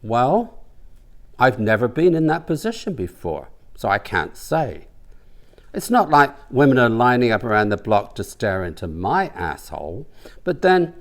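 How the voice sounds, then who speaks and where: Slow, dry, needling gay man, acted by a male reader. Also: mid-range voice, sing-song. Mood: dry, unsympathetic. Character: dry, unsympathetic, teasing gay man, bossy partner.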